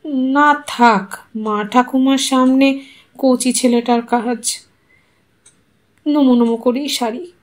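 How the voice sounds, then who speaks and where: A woman's voice: high voice, steady tone, takes it slowly, pauses often. A woman voicing a humble, meek village father in an audio story, plain-spoken and hesitant. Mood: muttering, subdued.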